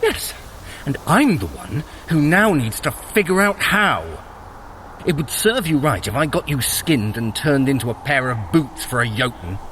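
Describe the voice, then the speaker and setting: An actor playing a sly, haughty, irritable Norse trickster god in an audio drama, sardonic and theatrical. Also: male voice, medium pitch, big pitch swings, measured pace, fairly bright tone. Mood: exasperated, scornful. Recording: noticeable outdoor ambience noise.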